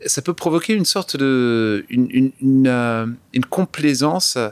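A man's voice: mid-range voice, lively intonation, slow pace, clear, resonant tone, no room sound. A man in his thirties with a light English-tinged accent, a guest in an interview, talking casually with many restarts and fillers. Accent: light English-tinged French. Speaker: guest singer-songwriter.

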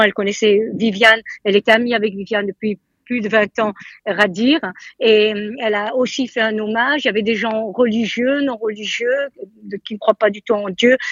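A woman's voice: on the high side, husky, no room sound. Woman on a phone line breaking up. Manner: halting, repeats words often. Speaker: peace activist, interview guest. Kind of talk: live phone interview. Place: at a funeral just after the ceremony.

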